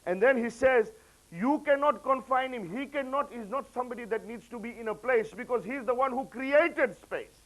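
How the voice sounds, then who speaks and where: A preacher with a distinctly high voice gives a religious lecture to a congregation at a moderate pace. His quotations rise higher and louder, while his asides drop soft and low. The audio is poor.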